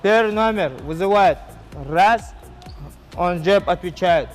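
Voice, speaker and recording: A male coach with a slightly raised voice speaks in a training gym while music plays clearly behind him. He calls out counts and clipped drill commands, and when answering questions he pauses often on drawn-out fillers. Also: high-pitched. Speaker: martial arts coach. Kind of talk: drilling fighters, then interview answers.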